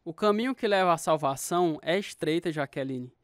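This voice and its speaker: A man's voice: on the high side, brisk, natural voice. An actor playing an earnest, devout Christian man with a Brazilian accent, giving his testimony in a radio drama. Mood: solemn, urging. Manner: earnest, preachy.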